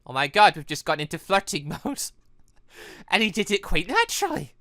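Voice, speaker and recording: A gaming video host giving rambling, excited, giggly reaction commentary over a visual novel, close on the microphone. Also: medium pitch, moderate pace, no echo.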